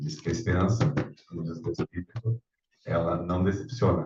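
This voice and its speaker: Somewhat breathy male voice with lively intonation at a fairly slow pace. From Brazil. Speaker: audience member asking a question. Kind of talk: audience question at a lecture.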